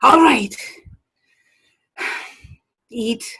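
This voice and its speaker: Woman doing an old latina mama in a play, slow and husky, fusses and scolds, spanish pet names. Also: a little high, pushed and bright, exaggerated voice. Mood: stern, scolding. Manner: fretful, exclamatory, peppers speech with Spanish endearments. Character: old doting, scolding Latina mother and household servant. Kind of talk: virtual play reading, stage acting.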